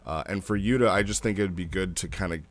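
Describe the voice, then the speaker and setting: A man giving casual, unscripted commentary as a review host, talking in a rambling, animated way. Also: deep voice, quick pace. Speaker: host reviewing a text role-play log.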